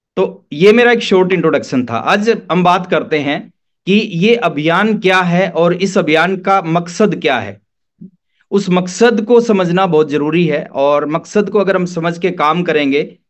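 Over a quiet background, a man with a high pitch and ordinary pitch variation talks at a fairly slow pace. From Haryana, India. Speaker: network marketing leader. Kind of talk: motivational seminar talk. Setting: video call. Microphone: webcam.

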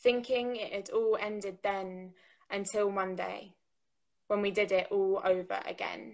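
Over a quiet background, a woman talks at a fairly slow pace in a monotone, flat delivery. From Brighton, southern England; England. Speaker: poet and performer; poet. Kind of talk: spoken word poem performed live over a video call, nostalgic coming-of-age piece. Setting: video call. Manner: rhythmic, vivid performance delivery with wistful, tender pacing; casual, friendly chat between poems. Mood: nostalgic, expressive. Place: home room. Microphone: phone near.

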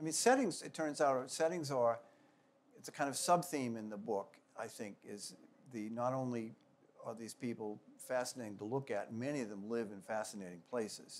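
At a moderate pace, a man with a normal speaking voice talks at medium pitch with ordinary pitch variation and big swings in loudness, over light background noise. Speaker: journalist and editor, interviewer; journalist, interviewer. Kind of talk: onstage public conversation. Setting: stage with audience in a theater. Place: stage.

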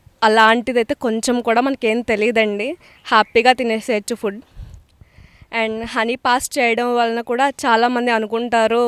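Monotone, flat intonation from a woman with a fairly high voice. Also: dry, close sound with no echo, very clean recording, silent background. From Andhra Pradesh, Godavari region. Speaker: patient at nature-cure ashram. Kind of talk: testimony.

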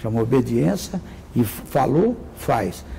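There is light background noise. A man speaks with very wide pitch swings. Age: 60s. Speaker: city councillor and physician; city councillor. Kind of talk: interview. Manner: halting, repeats words. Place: studio. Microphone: lapel.

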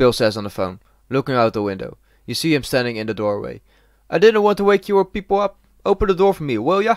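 A man talking at a very fast pace with very wide pitch swings, dry sound with no echo and a quiet background. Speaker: horror game YouTuber. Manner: animated, theatrical, with teasing asides and laughs. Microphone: studio mic.

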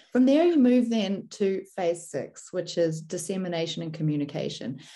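Her tone dark and mellow, a woman with a New Zealand accent speaks at a moderate pace in a fairly low pitch with very wide pitch swings. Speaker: security policy expert. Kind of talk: presentation. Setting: video call.

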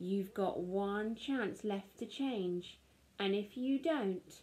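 The voice belongs to a woman. She delivers her words at a very slow pace. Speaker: teacher reading a story. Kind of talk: storytelling read-aloud. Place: home room. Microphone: phone near.

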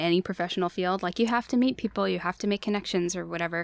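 The voice comes with an American accent. The sound is dry with no echo, and the background is quiet. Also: woman. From California. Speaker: singer-songwriter and poet; poet. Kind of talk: casual interview conversation. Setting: on location, in-person. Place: studio. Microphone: studio mic.

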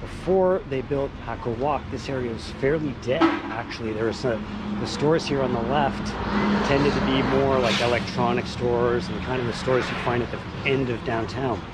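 Fairly quick speech with loud background noise and a dry sound with no echo. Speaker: walking tour guide and channel host. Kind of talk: narrated walking tour, pointing out shops and streets while strolling. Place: street. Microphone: phone near.

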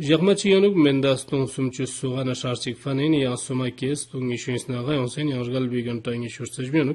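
Fairly quick pace from a man with hardly any pauses, against a quiet background. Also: ordinary pitch variation. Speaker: radio news reader. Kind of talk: formal news bulletin reading. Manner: formal, steady, even-paced newsreader delivery. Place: studio.

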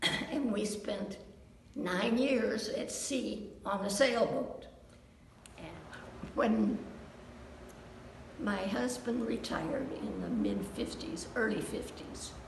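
A woman with an American accent speaks at a very slow pace. Noticeable background noise runs behind her. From Iowa, USA. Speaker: quilt artist. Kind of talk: interview answer. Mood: proud, reflective. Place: hall. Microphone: camera far.

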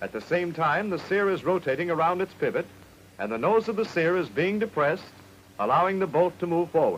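Here a man speaks with an American accent and high pitch. His intonation is lively and his pace fairly quick. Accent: mid-century American. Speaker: film narrator. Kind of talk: vintage military training film narration. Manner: formal, measured, authoritative newsreel-style delivery.

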